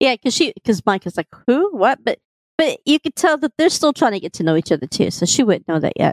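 Very wide pitch swings in a Southern US accent, with a dry, close sound and no echo. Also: woman. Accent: Southern US drawl. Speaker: co-host. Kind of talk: casual podcast chat.

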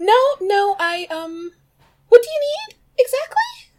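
A woman does a put-on character voice that is squeaky and extremely high, with very wide pitch swings, at a fairly slow pace. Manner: flustered, nervous.

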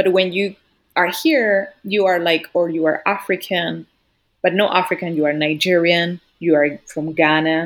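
Speaking fairly slowly in a Spanish accent, a woman uses a fairly low pitch and fairly even intonation. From Spain. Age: 30s. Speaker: podcast guest working in fintech.

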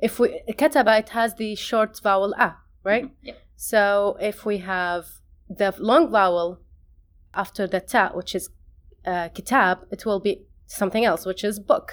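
With an Arabic accent, a woman speaks at a moderate pace, using ordinary pitch variation, big swings in loudness and long, frequent pauses. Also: medium pitch for a woman. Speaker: linguistics student, Arabic speaker. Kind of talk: interview. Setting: university department.

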